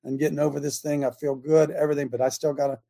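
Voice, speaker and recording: A man hosting a Christian talk show with a raspy, scratchy voice and a lingering cough, rambling then preaching fervently. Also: on the high side, flat delivery, quick pace, mellow. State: lingering cough, chronic laryngitis. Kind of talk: fiery preaching talk radio.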